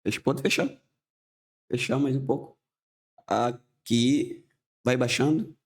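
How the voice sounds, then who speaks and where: A man from Angola with an Angolan Portuguese accent, a podcast guest who explains things in a measured way, with short pauses. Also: mid-range voice. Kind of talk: conversational interview.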